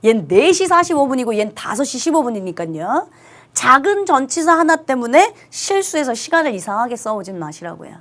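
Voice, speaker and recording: Lively high-pitched woman teaching. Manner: lively, emphatic, drawn-out stressed English words. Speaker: English teacher. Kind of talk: online lecture for high school students.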